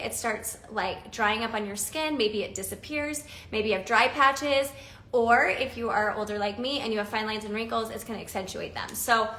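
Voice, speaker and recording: A woman's voice: high voice, bright, forceful tone, reverberant, a little hiss or hum. A woman in her forties hosting a casual live stream, chatty and bubbly, laughing often as she talks through makeup. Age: 40s.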